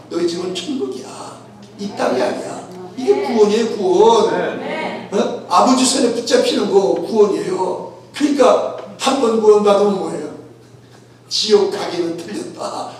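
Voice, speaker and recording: A middle-aged pastor preaching a sermon, acting out a story with his son and firing rhetorical questions. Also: high-pitched. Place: church sanctuary. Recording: echoey church hall, far from mic.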